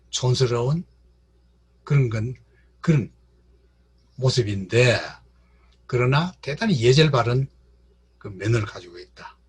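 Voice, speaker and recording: A man delivers a literature lecture in a rough, husky voice at a middle pitch. He keeps repeating key words and speaks directly to the people in the room. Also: a little mellow. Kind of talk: classroom lecture.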